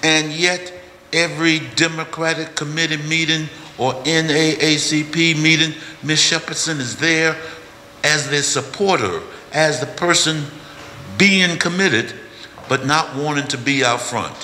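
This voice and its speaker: A man speaks at a fairly slow pace with long, frequent pauses, in a fairly high pitch for a man. Light background noise sits behind him. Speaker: event organizer; event moderator. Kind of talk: closing remarks. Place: hall. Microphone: camera far.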